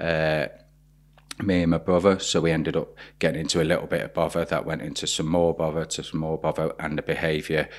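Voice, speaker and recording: A man's very deep, low voice with monotone, flat intonation, recorded very cleanly against a silent background. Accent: Birmingham. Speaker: fitness trainer and mentor. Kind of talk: casual interview.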